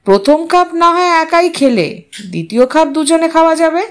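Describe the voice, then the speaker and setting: A woman's voice: very high voice, animated, normal speed, voice pushed up. A reserved newspaperman, voiced by a woman narrator, speaking dryly and brusquely. He comes across as self-conscious in this audio story. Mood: gently coaxing.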